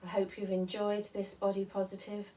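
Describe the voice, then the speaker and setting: A woman leading a guided Christian relaxation meditation in a gentle, soothing, unhurried manner with pauses. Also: mid-range voice, completely flat delivery, recorded from a distance, slight background noise, rough recording. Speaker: guided relaxation and devotional movement leader.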